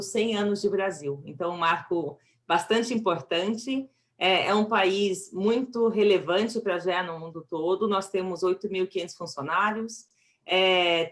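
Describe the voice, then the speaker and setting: A woman with a Brazilian accent, a chief executive presenting her company on a business panel. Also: medium pitch.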